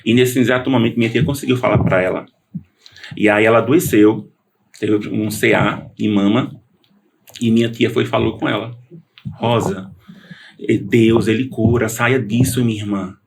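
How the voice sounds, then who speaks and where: A low-pitched man with a gravelly edge tells his testimony as a podcast guest. He talks earnestly, stopping and restarting his sentences as he goes. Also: steady tone, moderate pace, pauses often, a little hiss or hum. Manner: earnest storytelling with many restarts. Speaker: interview guest.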